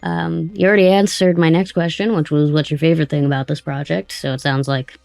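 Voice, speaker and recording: Woman, heavy vocal fry, casual interviewer, conversational, dry close recording, music behind. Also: sits low, little pitch movement, fairly quick, darkish tone, dry recording. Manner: conversational, attentive, with brief acknowledgements. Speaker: interviewer and writer of an audio drama. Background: background music.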